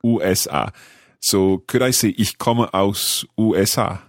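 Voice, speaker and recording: A man hosting a podcast language lesson, speaking carefully and repeating phrases slowly for learners. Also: on the low side, dry recording, studio quality. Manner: careful, enunciating learner pronunciation. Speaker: language course host.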